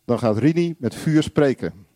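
A man preaching a sermon, blunt and confrontational, acting out little dialogues and shouting single words. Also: medium pitch, lively intonation, moderate pace, no echo, studio quality.

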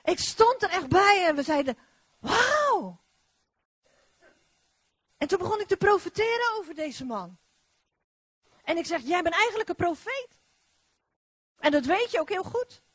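Woman preacher, middle-aged, charismatic sermon, swooping high voice, exclamatory. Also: moderate pace, pauses often, no echo. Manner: animated, exclamatory, repetitive phrasing.

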